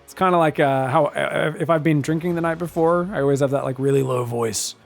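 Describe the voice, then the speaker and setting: A man casting a strategy game on his own, excitable on big plays and analytical in replays, his voice phlegmy after being sick. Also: on the high side, a little fast, gravelly, faint music behind. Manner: excitable, shouts on big plays, then breaks down mistakes. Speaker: esports caster. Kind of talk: solo game commentary.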